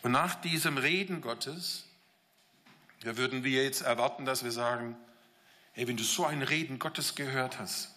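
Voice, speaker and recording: A man's voice: medium pitch, normal speed, sharp tone. A man preaching a sermon, speaking directly and conversationally to his congregation. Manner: acts out the biblical characters' words in paraphrase.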